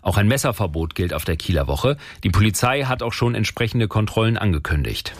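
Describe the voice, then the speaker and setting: Low-voiced male radio reporter. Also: animated, fairly quick, slightly rough, dry recording. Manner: factual, explanatory.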